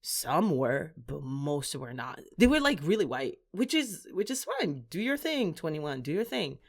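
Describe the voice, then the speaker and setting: A woman with a lower-pitched voice talks casually as a podcast co-host. She hops back and forth between French and English mid-sentence, and she often stalls and restarts her words as she thinks aloud. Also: very animated, a little slow. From Central Africa. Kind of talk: casual chat.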